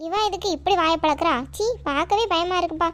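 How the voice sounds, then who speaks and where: Woman as a stern cartoon schoolteacher, firm and disapproving, high voice. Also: fast talker, a bit bright. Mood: grumbling. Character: schoolteacher, stern but tired of quarrels. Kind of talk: cartoon voice acting.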